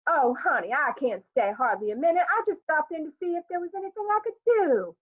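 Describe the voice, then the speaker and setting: A woman voicing a squeaky, effusive neighbor woman who gossips in a folksy dialect and plays up every bit of news with melodrama. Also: animated, a little fast, no room sound. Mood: gushing. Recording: dry, tinny phone-like sound.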